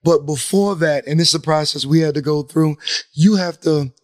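A man's voice: on the high side, normal speed. A man, a guest in a casual interview, speaking emphatically and repeating phrases for stress.

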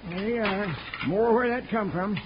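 An actor playing a folksy, chiding cowhand in a Western radio drama, with a creaky voice. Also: male voice, high voice, moderate pace, close to an everyday voice. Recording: dull, hissy old radio recording.

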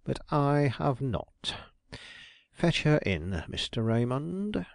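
A man voicing a shrewd, suave older detective who asks his questions slowly and deliberately. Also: mid-range voice, very animated, creaky, no echo, clean studio sound, voice pushed up, full character voice. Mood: brisk.

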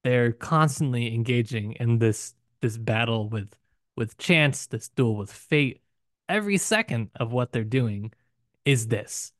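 A man co-hosting a podcast, talking through a book casually with emphatic, deliberate phrasing broken by pauses. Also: medium pitch, no echo, studio quality. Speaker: podcast co-host.

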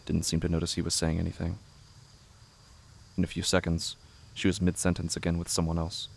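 A man with a gravelly voice narrating a literary horror audio drama in measured, somber, short phrases. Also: low-pitched, monotone. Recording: faint background noise with night insects.

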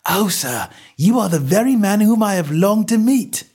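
A man's voice: high voice, very animated, normal speed, voice pushed up, exaggerated voice. A man voicing a timid, nervous little man who whines in a quavering voice. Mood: eager. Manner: whining, quavering.

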